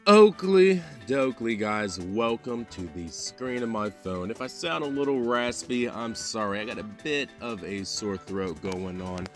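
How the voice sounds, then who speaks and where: A young man hosting an app review vlog, talking with energetic, salesy hype and catchphrases on a lapel mic. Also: fairly low pitch, measured pace, few pauses, soft background music. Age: young adult. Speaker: host.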